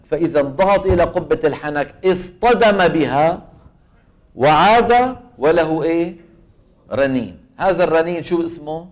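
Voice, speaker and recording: A man's voice: fairly high pitch, darkish tone. A man with a Levantine Arabic accent teaching a tajweed class. He asks his students questions, answers them himself, and says the sounds aloud to show them. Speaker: Quran recitation teacher.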